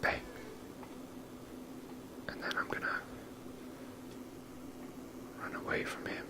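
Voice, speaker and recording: A person whispering rambling, unhurried ASMR commentary while playing a video game. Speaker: game streamer.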